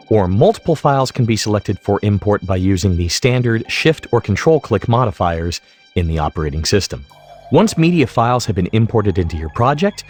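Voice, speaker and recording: A middle-aged man giving scripted tutorial narration in a deliberate, emphatic way. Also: on the low side, a little mellow. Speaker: software tutorial instructor.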